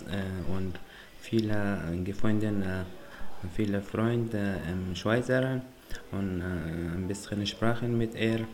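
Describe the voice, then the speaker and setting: A man in his twenties with an Afghan accent, introducing himself in very halting, broken learner speech full of hesitations. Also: lowish voice, a little mellow, a little hiss or hum. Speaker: language learner. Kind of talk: personal self-introduction. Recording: people chattering in the background.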